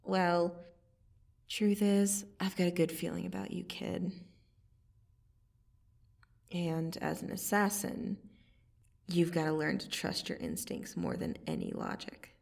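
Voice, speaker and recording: A woman acts out a female vampire assassin for an ASMR roleplay. Her voice is on the low side and full of gravelly creak, with breathy dips toward a whisper. She speaks very slowly and deliberately, menacing yet intimate, with a wistful softness underneath. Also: animated, far from the mic, heavily acted. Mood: softening, earnest. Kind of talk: ASMR roleplay, scripted dramatic monologue.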